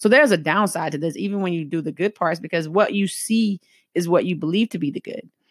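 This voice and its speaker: A woman with a strong Southern US accent speaks at a very fast pace. Her voice is fairly low, and her tone is animated. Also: ordinary pitch variation. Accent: heavy Southern US. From US South. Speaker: podcast host, psychologist. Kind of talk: motivational monologue.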